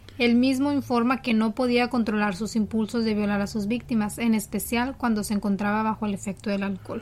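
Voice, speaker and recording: A woman speaks at a fairly quick pace with hardly any pauses, her voice fairly high and somewhat breathy. Her intonation is fairly even, and the recording is very clean with a silent background. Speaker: co-presenter analysing criminal psychology. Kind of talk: casual chat; reading aloud. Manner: quiet, does not project her voice.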